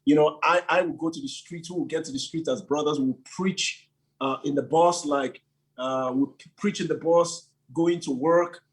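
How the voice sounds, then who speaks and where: A middle-aged Nigerian church leader gives animated interview answers, telling his story with enthusiasm, peppering it with "you know" and laughing often. His voice is on the high side, with a steady tone and normal speed. The recording quality is low.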